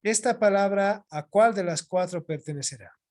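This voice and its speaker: A patient, slightly mellow teacher from Bolivia lectures an online class through a video call microphone. Her voice sits at a middle pitch, and she keeps returning to key points, checking in quickly after each one.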